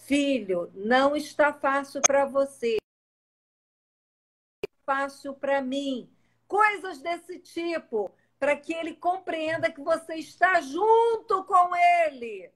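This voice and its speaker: A woman's voice: sits high, poor audio. A woman parenting educator giving a live-streamed talk, patient and instructive, speaking directly to her viewers. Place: home in a city. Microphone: internet live stream.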